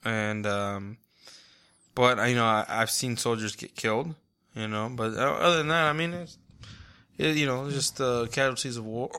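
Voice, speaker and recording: A man who serves as an Army captain talks through his service in a loose, casual interview. His voice is bright and mid-pitched. He hesitates often, with restarts and fillers. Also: fairly even intonation, normal speed, clear, resonant tone.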